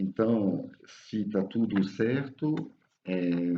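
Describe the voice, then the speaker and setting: Here a man is talking. His pitch varies in an ordinary way. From French-speaking Switzerland. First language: French (speaking Portuguese). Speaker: tourism representative. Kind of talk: webinar presentation. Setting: online webinar. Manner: halting, frequent fillers and self-corrections.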